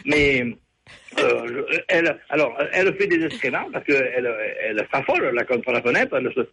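Southern French man calling in, bright voice. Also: mid-range voice, big pitch swings, normal speed, gravelly, breathy edge, low-quality recording. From Ardèche, southern France. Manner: rambling, hesitant storytelling. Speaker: caller. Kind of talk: phone-in chat.

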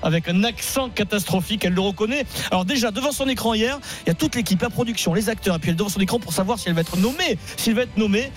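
A man's voice: high-pitched, lively intonation, rapid-fire, few pauses. A man hosting a radio show who tells stories in a teasing, bantering way. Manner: teasing, storytelling.

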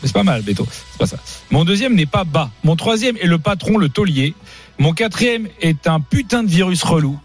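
A man's voice: fairly high pitch, sing-song, normal speed, soft background music. A man running a quiz on a football show, teasing the players and laughing as he goes. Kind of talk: casual banter on a football quiz.

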